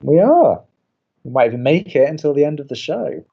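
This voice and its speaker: A man's voice: on the high side, big pitch swings, brisk, vocal fry, slightly rough, lo-fi sound, heavily acted. A young man acting as a sarcastic, easily exasperated college radio co-host in an audio romantic comedy. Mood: dry, sardonic. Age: young adult. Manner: dry, sarcastic.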